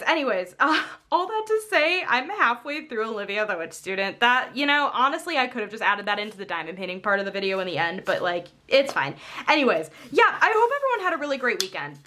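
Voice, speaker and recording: A young woman vlogger chatting casually while crafting, rambling with many fillers and frequent laughs, her voice slightly hoarse. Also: mid-range voice, sharp tone.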